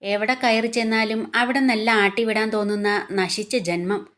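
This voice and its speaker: A woman's voice: mid-range voice, fairly even intonation, fairly bright tone, close to an everyday voice. A woman storyteller voicing a harsh, scolding middle-aged stepmother who talks down with contempt. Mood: scornful. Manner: quick, contemptuous.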